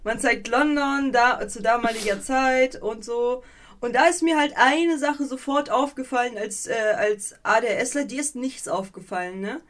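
A woman co-hosting a podcast in casual chat, animated and rambling, with many fillers and a playfully mocking edge. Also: fairly high pitch, moderate pace. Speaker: podcast co-host.

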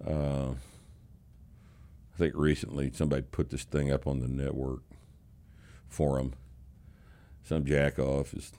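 A man with a slight Texas accent hosting a casual podcast, talking in a gruff, profane, sarcastic way. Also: rumbling low, flat delivery, unhurried, long pauses, mellow. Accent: Texan. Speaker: podcast host, strength coach.

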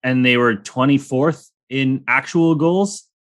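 A man's voice: mid-range voice, slow, fairly bright tone. A young man hosting a casual sports podcast. He rambles and jokes, slipping into crude humor, with an everyday mid-range voice. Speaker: podcast host.

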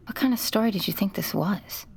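A weary, halting mother. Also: medium pitch, creaky, slightly rough. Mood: tense. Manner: hesitant, halting and strained. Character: weary mother and hospital worker Bonnie. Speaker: narrator and lead character. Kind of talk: audio drama acting with narration.

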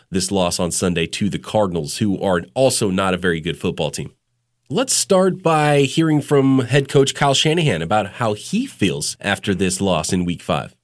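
A man hosting a sports podcast in casual talk, a bit stuffed up from a cold, candid and blunt. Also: fairly low pitch. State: stuffed up, a little sick. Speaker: podcast host.

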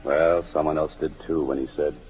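Casting: wisecracking adventurer-writer, low voice, muffled vintage radio. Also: male voice, level tone, fairly quick, faint music behind. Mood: wry, casual. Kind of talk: 1940s radio acting. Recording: muffled old radio recording.

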